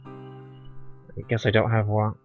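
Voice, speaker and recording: A man's voice: fairly low pitch, level tone, slow, phone-quality sound, over music. A man giving casual, chatty commentary while streaming a game, with sarcastic asides.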